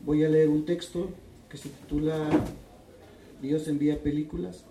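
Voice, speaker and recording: A man whose first language is Chol, reading his own text aloud at a public event in a calm, steady voice. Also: fairly high pitch, measured pace, background noise. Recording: echoey room, distant mic.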